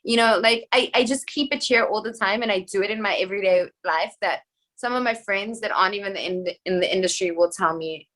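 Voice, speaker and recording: A young adult woman from South Africa, an actress talking in a casual podcast chat, chatty and animated with quick asides. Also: mid-range voice. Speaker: actress guest.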